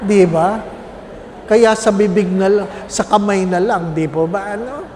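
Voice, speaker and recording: A man's voice: high-pitched, unhurried, big-room sound, background noise. A man, a Catholic priest, preaching a homily with humorous stories and constant questions to his congregation. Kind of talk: sermon.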